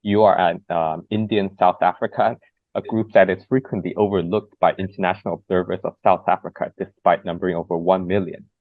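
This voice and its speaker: A man interviewing, reading out a long question in a halting way and correcting himself partway through. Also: deep voice, fairly even intonation, no room sound. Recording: dry, tinny phone-like sound.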